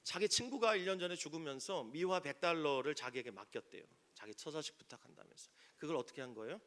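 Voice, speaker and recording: Male pastor, higher-pitched and bright, dramatic sermon delivery with loud and hushed swings. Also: lively intonation, fast. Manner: preaching with dramatic swings from loud cries to near-whispers; acts out quoted voices in stories.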